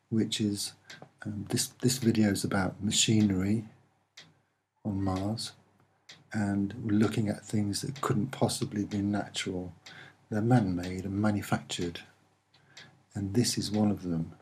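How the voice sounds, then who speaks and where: A soft-spoken man giving a halting, unscripted commentary as he points things out, with frequent pauses. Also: lowish voice, a little hiss or hum. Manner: hesitant, halting, with many pauses. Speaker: amateur video presenter.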